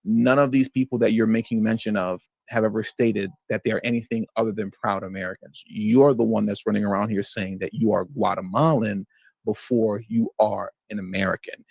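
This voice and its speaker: Gravelly, scornful male news commentator. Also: lowish voice, steady tone, fairly quick, darkish tone, dry recording, lo-fi sound. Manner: scornful, emphatic, mocking. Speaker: political commentary show host. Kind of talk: opinionated commentary reading news quotes.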